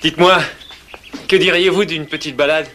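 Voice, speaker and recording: A man's voice: fairly high pitch, steady tone, normal speed, bright, forceful tone, slight background noise. An actor dubbing a cheerful, easygoing young man who comes calling, in a playful, breezy manner. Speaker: visitor courting a young woman. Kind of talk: French film dub.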